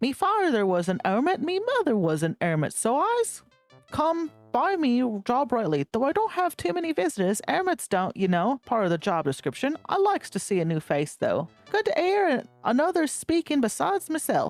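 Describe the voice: A female-sounding voice does a put-on character voice, pitched high with very wide pitch swings. She speaks at a moderate pace over faint music in the background.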